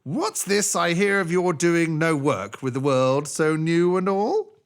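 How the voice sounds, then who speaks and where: A man's voice: on the high side, a little slow, smooth, voice pushed up. A man voicing a stern, wily magical djinn of the desert in a storybook, emphatic and admonishing. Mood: stern warning.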